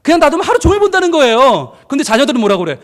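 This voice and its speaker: High-voiced, lively man preaching. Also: rapid-fire. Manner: lively storytelling, acting out quoted family arguments; asks the congregation questions. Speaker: pastor. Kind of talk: family-service sermon.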